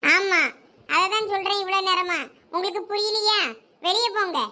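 A woman with a Thoothukudi Tamil accent acting in a village comedy drama, talking in a sharp, scolding way. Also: very high voice, steady tone, normal speed. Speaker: mother and wife in a village sketch.

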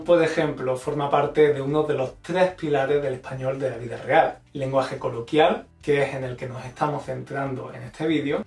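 A man's voice: fairly high pitch, a little mellow, roomy sound, distant mic. A man from Spain with a Spanish accent, explaining expressions in a video lesson and carefully modeling intonation. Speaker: Spanish teacher.

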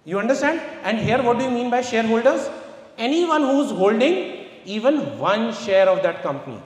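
A man's voice: very high voice, big pitch swings, moderate pace. A middle-aged man giving an emphatic motivational finance presentation in short repeated phrases and rhetorical questions. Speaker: investment speaker. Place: large auditorium stage. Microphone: handheld microphone through hall sound. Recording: echoey large hall, long reverb.

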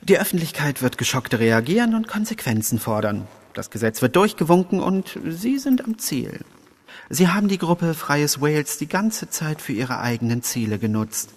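An actor playing a sharp-tongued investigator in a crime radio play, with a pointed, sardonic manner. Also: male voice, on the high side, sing-song, moderate pace. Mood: accusing. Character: sharp-tongued male investigator, the inspector's partner. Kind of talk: German crime audio drama acting. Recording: long hall reverb.

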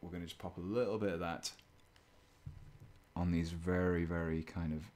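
Low voice guy, chill chatty streamer painting minis, kinda monotone. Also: normal speed. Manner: relaxed, chatty, chuckles often, reads chat aloud. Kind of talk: casual live stream chat while painting. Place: indoors at a painting desk.

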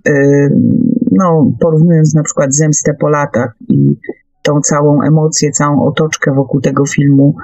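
A middle-aged woman hosting a reflective radio discussion, speaking deliberately and hesitantly with searching pauses. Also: deep voice, little pitch movement, dark tone, no room sound. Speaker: radio host. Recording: muffled online radio audio, faint music.

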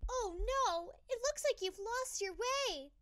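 A woman's voice: extremely high pitch, expressive, takes it slowly, fairly bright tone, voice pushed up, full character voice. A woman voicing a sweet, helpful fairytale girl in a cartoon style. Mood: sweet concern. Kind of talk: cartoon character acting.

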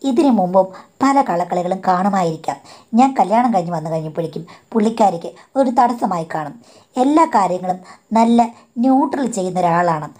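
A woman's voice: medium pitch, a little mellow. A woman narrating her own life story in a confiding, indignant tone, often addressing her listener as madam.

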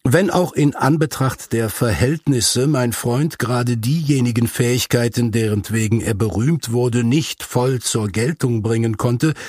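A man's voice: mid-range voice, a little mellow, slightly rough, no echo, studio quality. A man reading a detective story aloud as scripted audiobook narration. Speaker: audiobook reader.

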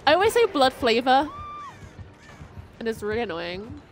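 A woman giving casual gameplay commentary, jumpy and quick to laugh, swearing often. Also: on the high side, very animated, faint music behind. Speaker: gamer.

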